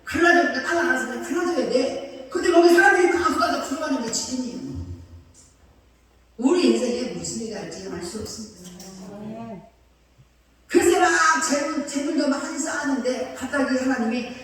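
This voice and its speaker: A woman pastor preaching a sermon in an animated, colloquial way, acting out quotes. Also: sits high, a little fast, pauses often. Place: church sanctuary. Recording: echoey church hall, distant mic.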